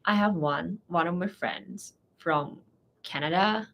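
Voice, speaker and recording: Gravelly low-voiced young woman, hesitant. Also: fairly bright tone. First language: Thai. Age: young adult. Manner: hesitant, halting, searches for English words. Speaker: medical student guest. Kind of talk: casual live chat.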